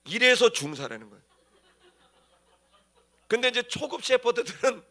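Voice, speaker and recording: A man's voice: extremely high pitch, sing-song, moderate pace, sharp tone. A man preaching as a pastor, telling stories in a colloquial, dramatic way with acted-out emphasis. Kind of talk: animated sermon with storytelling.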